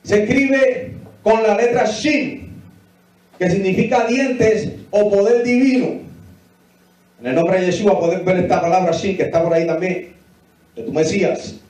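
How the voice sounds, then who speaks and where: A man in his forties preaches a Bible lesson in a high voice, driving home his points by repeating them and putting questions to the congregation. He sounds distant from the microphone, and his voice rings through a very echoey church hall. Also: a little slow, long pauses, darkish tone. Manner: emphatic, repetitive, asks the congregation questions. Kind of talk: Bible teaching sermon. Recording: echoey hall, voice picked up from afar.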